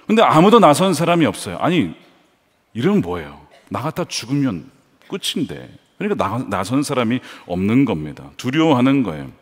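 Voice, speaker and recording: A man preaching a sermon as pastor, with dramatic swings from hushed storytelling to loud emphatic calls. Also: mid-range voice, long reverb tail. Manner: acts out quoted taunts in a raised voice.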